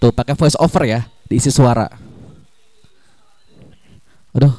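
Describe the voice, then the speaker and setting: A man's voice: medium pitch, unhurried, mellow, dry recording. A young man giving a casual seminar talk to students, chatty and full of fillers. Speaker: workshop speaker. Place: school hall.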